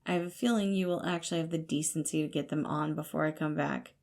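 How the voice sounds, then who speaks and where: A weary, guarded young man in an audio drama , performed by a woman. The voice is on the low side with plenty of fry, and the delivery is dry, blunt and grudging. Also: fast, a little mellow. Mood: awkward.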